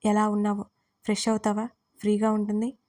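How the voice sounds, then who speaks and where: A woman voicing a tender, protective young man who speaks softly and reassuringly in an audio story. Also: mid-range voice, completely flat delivery, brisk, natural voice. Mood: tender, soothing. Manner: soft, soothing, reassuring.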